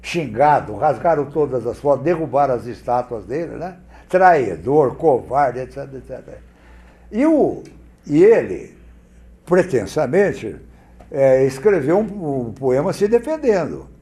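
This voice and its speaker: Man, from Brazil, TV talk show guest, theatrical oratory, animated pitch, echoey studio. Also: measured pace. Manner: expressive, theatrical speaker.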